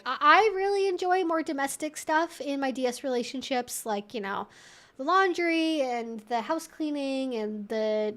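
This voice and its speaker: High-voiced woman giving chatty advice. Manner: chatty and informal, rambling with frequent asides. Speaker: livestream host and relationship educator answering viewer questions. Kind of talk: casual, conversational Q&A advice.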